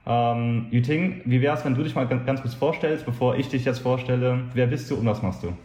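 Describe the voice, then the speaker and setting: A man's voice: medium pitch, fairly quick, dark tone. Casual male podcast host, echoey room. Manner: friendly, informal, stumbling restarts. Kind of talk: casual interview conversation.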